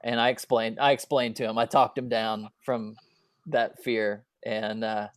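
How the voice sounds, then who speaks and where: A man's voice: on the low side, level tone, no room sound. Guy on a video call telling his story, lots of ums and restarts, dry close sound. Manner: halting, many fillers and restarts. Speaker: guest speaker. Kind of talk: personal storytelling at an online talk.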